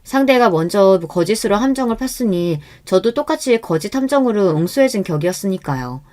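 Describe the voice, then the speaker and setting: Woman narrator, scripted first-person storytelling, calm and even, mid-pitched voice. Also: brisk.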